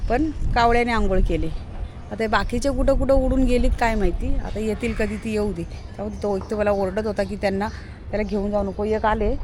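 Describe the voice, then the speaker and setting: A woman's voice: on the high side, darkish tone, a little hiss or hum, rough recording. A woman vlogging at home on a rooftop terrace, chatting to her viewers and coaxing her pets in a sing-song voice. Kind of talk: casual home vlog.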